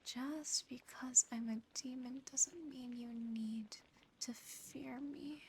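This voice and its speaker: A woman voicing an affectionate, possessive female demon in a soothing, intimate, softly teasing whisper for an ASMR roleplay. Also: high voice, exaggerated voice, low-quality recording. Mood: soothing, tender. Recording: close whisper over clear background noise.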